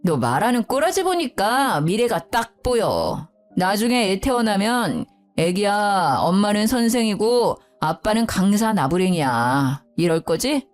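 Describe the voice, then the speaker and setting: A woman voicing a sarcastic husband who belittles his wife's job, lowering her voice for him. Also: sing-song, measured pace, hardly any pauses, soft background music. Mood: sneering. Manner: sneering, sarcastic.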